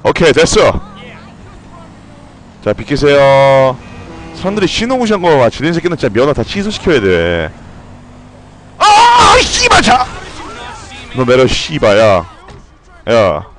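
A young man giving loud, excitable commentary while playing a video game, swearing and shouting at what happens on screen. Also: mid-range voice, moderate pace, long pauses, soft background music, poor audio. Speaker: gameplay streamer.

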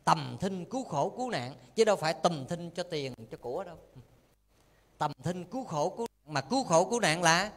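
A high-voiced male monk preaching. He teases the listeners with quick questions and keeps his sermon lively and playful. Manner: lively, teasing questions to the audience. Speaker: Buddhist monk teacher. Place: temple hall.

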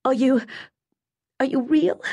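A woman's voice: sits high, fairly even intonation, takes it slowly, voice pushed up, exaggerated voice. A woman reading an audiobook, voicing a tearful middle-aged mother whose voice breaks as she cries with relief. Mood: tearful, overwhelmed. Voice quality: breaking, trembling voice. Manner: hushed, urgent, emotional. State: crying. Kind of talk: audiobook character voice.

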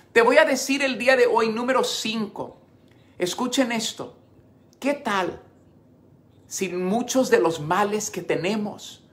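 A man preaching a sermon as pastor, earnest and speaking straight to his listeners. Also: very high-pitched. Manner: earnest, direct address to listeners.

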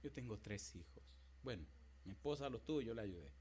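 A middle-aged pastor preaching a sermon, moving between loud, emphatic declarations and quiet, tender storytelling. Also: male voice, medium pitch, expressive, fairly quick, a little hiss or hum. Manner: dramatic preaching that swings from loud exclamations to hushed storytelling.

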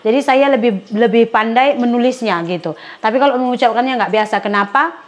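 A woman's voice: a little high, a little fast. A middle-aged woman from Indonesia in her speech, chatting casually to viewers while she cooks in a home kitchen. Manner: chatty, addresses viewers as pemirsa. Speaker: cooking vlogger. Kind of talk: casual chat while cooking.

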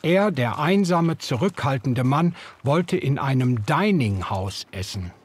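A man narrating an audio drama in the first person, in a measured storytelling manner. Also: medium pitch, lively intonation, husky.

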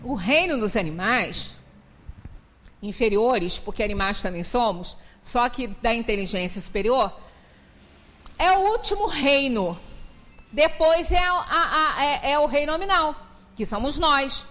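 Palestrante brasileira de voz aguda. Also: female voice, fairly high pitch, expressive, measured pace, a bit bright. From Brazil. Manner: explanatory, emphatic, often adds "né?". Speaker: spiritist lecturer. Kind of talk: lecture at a spiritist center. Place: small meeting room, indoors.

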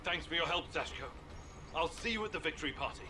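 An actor playing the male hero of a video game, speaking in a tense, bright tone, heard played back from the game. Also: on the high side, lively intonation, brisk, noisy background, lightly acted. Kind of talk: game voice acting.

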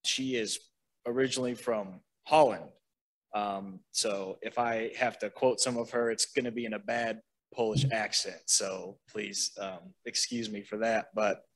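A man's voice: mid-range voice, poor audio. A man, a care home administrator, telling a funny story about a resident on a panel. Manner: storytelling with laughter, relaxed. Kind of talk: panel answer, anecdote. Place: meeting room.

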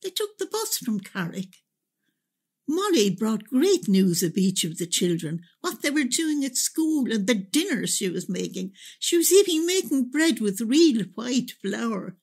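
An Irish mother in a radio play monologue. She speaks slowly and tenderly in a husky voice that rises and falls expressively, proud and reflective as she tells her memories. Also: medium pitch, darkish tone, heavily acted.

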